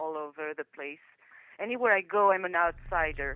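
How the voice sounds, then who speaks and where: A woman speaks with a French accent. Her pitch is fairly low. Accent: foreign, French. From France, also raised in Peru and Venezuela. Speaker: intercultural communication consultant. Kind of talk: podcast interview. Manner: halting, many fillers.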